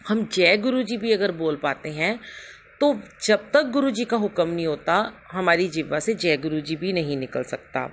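A woman's voice: fairly low pitch, animated, normal speed, a little hiss or hum. A middle-aged woman giving a devotional satsang talk, telling her story in an earnest, conversational way and addressing her listeners directly. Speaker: satsang speaker.

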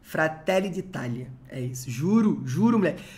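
A young man from Rio de talks into a close desk mic at home while he casts a card game on a live stream. He keeps up a relaxed, slangy running chat and goes off on joking tangents between plays. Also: a little high, normal speed. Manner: chatty, joking, slangy asides.

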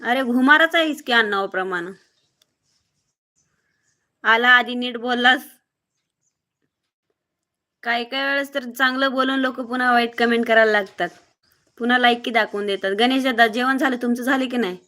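Blunt woman streamer with a slightly high voice. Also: bright, forceful tone. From Maharashtra, near Mohol. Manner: brisk, greets viewers one after another by name; blunt and outspoken. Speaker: livestreamer. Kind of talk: casual live-stream chat, reading viewer comments.

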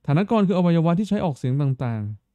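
A man's voice: fairly high pitch, big pitch swings, fast talker, mellow, dry recording, muffled recording. A man hosting a casual live stream, thinking aloud, stammering, repeating words and asking his viewers questions. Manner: talks straight to viewers, asking them questions. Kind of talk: casual live-stream chat while playing.

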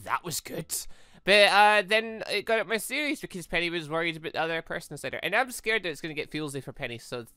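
A let's-play host with a bright voice and very animated pitch, recorded close and dry. The commentary is casual and rambling, with thoughts spoken out loud and corrected midway. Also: fast talker, clean tone, no echo. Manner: rambling, thinking aloud, self-correcting. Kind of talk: casual gaming commentary, reading visual novel text aloud.

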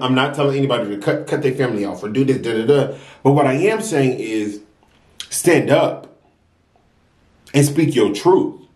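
Young American male vlogger, casual but emphatic advice-giver, mid-pitched, echoey room. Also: darkish tone. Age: young adult. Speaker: mukbang vlogger. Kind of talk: casual advice talk to camera while eating. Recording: roomy echo.

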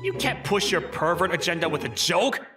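A man's voice: high voice, normal speed, faint music behind, full character voice. A man voicing a flustered, skeptical young office worker in a manga dub, sounding incredulous and given to inner narration. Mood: flustered protest. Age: young adult. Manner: exasperated, incredulous, animated.

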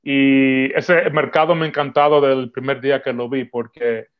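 A man, chatting as a podcast guest in a relaxed way, laughing often and repeating words as he thinks, on a video call from home. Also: mid-range voice, normal speed. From Dominican Republic heritage, raised in New York. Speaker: podcast guest, film photographer. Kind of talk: casual interview chat. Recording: slightly dull video-call audio.

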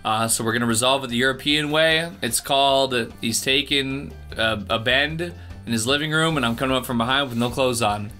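Joking bright-voiced young man. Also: mid-range voice, a little fast, faint music behind. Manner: joking, rambling, laughs often. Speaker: co-host. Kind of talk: casual drunk gaming chat.

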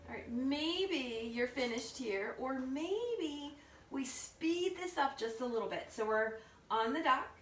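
A woman's voice: sits high, expressive, slow, slight background noise. A woman leading a yoga class with playful, informal, encouraging step-by-step cues, recorded from across a living room. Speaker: yoga instructor. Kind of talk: guided yoga class instruction. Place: living room at home, indoors. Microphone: far camera across the room. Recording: roomy home sound, distant camera mic.

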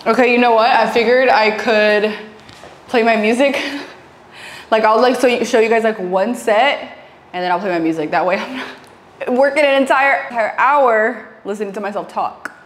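A woman's voice: on the high side, moderate pace, echoey room, a little hiss or hum. A young woman in her twenties vlogging casually from her home gym on a lapel mic, chatty and giggly, slipping in Spanish phrases. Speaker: fitness vlogger. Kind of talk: casual vlog chat to camera. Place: small home gym, indoors.

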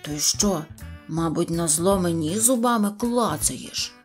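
A woman's voice: lowish voice, animated, slow pace, soft background music. A fussy little grouch from a storybook grumbles at everyone around him, as a woman reader puts him on. He talks in an irritable, scolding way. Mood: suspicious.

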